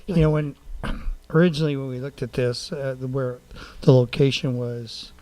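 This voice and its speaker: Halting, plain-spoken man at a meeting. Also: medium pitch, fairly even intonation, darkish tone, no echo. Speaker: city council member. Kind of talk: public meeting discussion.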